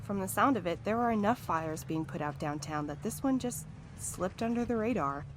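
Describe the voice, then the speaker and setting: A woman's voice: mid-range voice, expressive, normal speed, background noise, close to an everyday voice. A woman playing a sensible, anxious peacemaker with dry humour in an audio drama. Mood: matter-of-fact.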